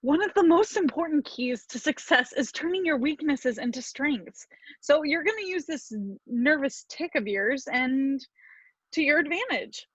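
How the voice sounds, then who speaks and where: Actress as a high-voiced bossy, encouraging best friend. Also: female voice, lively intonation, measured pace, fairly bright tone, no room sound, muffled recording. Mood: insistent, encouraging. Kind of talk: virtual staged comedy sketch reading.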